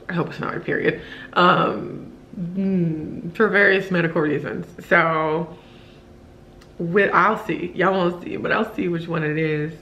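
Brief: low-pitched woman in her 30s, tired and rambling, chatting to camera in a kitchen with faint hiss. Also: fairly bright tone. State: drained, low energy. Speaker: vlogger. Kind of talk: casual chat to camera. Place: home kitchen, indoors.

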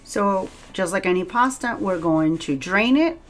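In her home kitchen, a Cuban woman with a Cuban Spanish accent talks through her cooking vlog in a relaxed, chatty way, laughing a lot and self-deprecating. She speaks unhurriedly in a medium-pitched voice with lively intonation, with soft music in the background.

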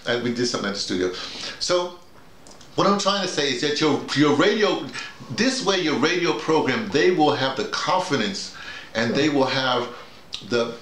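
A middle-aged or older man talking casually and emphatically to colleagues like a teacher, often halting and repeating his words over and over. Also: medium pitch, expressive, fairly bright tone, slight background noise. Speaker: workshop leader and radio drama teacher. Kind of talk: casual informal explanation to colleagues. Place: small indoor room with bare walls, seated. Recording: roomy, echoing small room.

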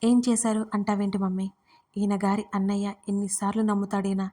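A woman's voice: mid-range voice, level tone, fairly quick, natural voice. A woman voicing an angry resentful grown son. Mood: irritated. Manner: sharp, irritated complaints.

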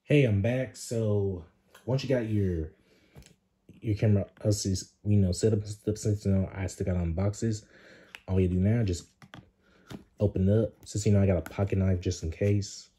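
A man hosting a casual unboxing vlog, talking haltingly with many repeated words and fillers. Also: fairly low pitch, fairly even intonation, mellow. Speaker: vlogger.

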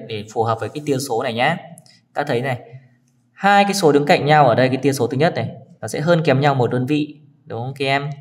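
A man teaching a children's math lesson, counting patiently step by step and often checking in with his pupils. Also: mid-range voice.

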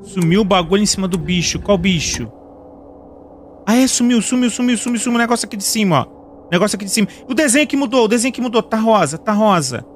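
Young brazilian man, let's play commentary, high voice, excitable, panicky exclamations. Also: quick pace, a little hiss or hum. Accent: Brazilian Portuguese. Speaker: gaming streamer.

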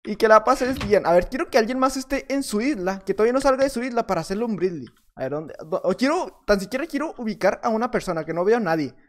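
Excitable young Mexican gamer guy. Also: sits high, fast talker, few pauses. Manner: excitable, trash-talking, chatty. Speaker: gaming YouTuber. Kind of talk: Minecraft gameplay commentary.

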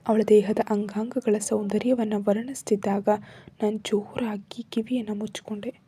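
A woman narrating a first-person dramatic story in a soft, often whispery voice, voicing the characters' lines herself. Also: mid-range voice, level tone, normal speed, breathy edge.

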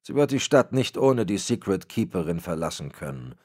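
A man's voice: low-pitched, very animated, moderate pace, darkish tone. A man voicing a dutiful male officer reporting to his boss in a deferential way. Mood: tense.

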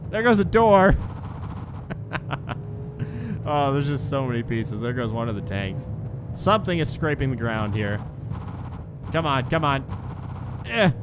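A young man giving casual gameplay commentary, excitable and laughing, bursting into shouts at the action, with the hiccups. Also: mid-range voice, unhurried, long pauses, noisy background. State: has the hiccups. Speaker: gaming YouTuber.

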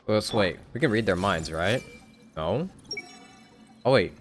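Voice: low voice, expressive, measured pace, faint music behind. A game streamer giving informal, rambling live commentary while playing.

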